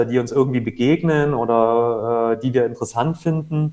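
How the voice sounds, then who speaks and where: Pitched in the medium range, the man's voice keeps a fairly even intonation. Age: 30s. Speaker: graphic designer and lecturer. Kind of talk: casual interview. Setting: remote call. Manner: hesitant, many fillers. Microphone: remote connection audio.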